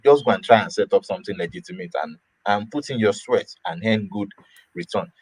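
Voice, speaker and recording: A man's voice: on the low side, expressive, brisk, a little mellow, husky, no room sound, rough recording. A man from Nigeria talking casually, often repeating and restarting words and breaking into small laughs. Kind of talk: casual opinion talk.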